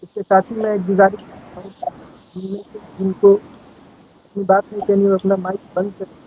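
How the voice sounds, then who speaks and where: A man's voice: high voice, level tone, normal speed, a little mellow, a little hiss or hum, low-quality recording. A man moderating an online poetry event over a video call, politely thanking the poet and inviting the next speaker in formal words.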